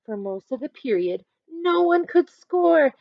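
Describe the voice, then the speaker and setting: A woman's voice: high voice, sing-song, unhurried, creaky, no echo, dull audio. A woman teacher reading a picture book aloud expressively, adding instructive asides and questions for listeners.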